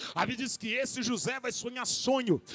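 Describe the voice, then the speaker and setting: An animated man speaks at an extremely high pitch in a dry, close sound with no echo. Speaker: pastor. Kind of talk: sermon.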